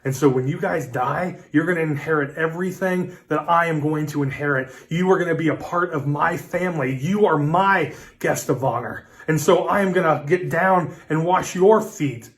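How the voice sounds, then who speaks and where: A man in his thirties giving a midweek devotional sermon as pastor, talking in a relaxed, conversational, storytelling way with casual fillers. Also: on the high side, moderate pace, few pauses. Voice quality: conversational, storytelling delivery with acted-out dialogue. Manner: relaxed, folksy preaching with fillers like "like" and "listen".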